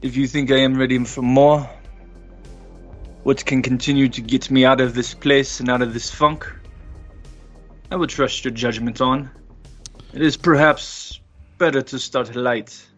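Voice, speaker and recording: A grave and loyal ancient male figure , acted by a man in a tabletop game. He speaks formally and deliberately at a medium pitch, with courteous gravity. The sound is a little dull, with soft music underneath. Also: steady tone, close to an everyday voice. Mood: formal, humble. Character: centuries-old, courtly male being, grave, protective and loyal.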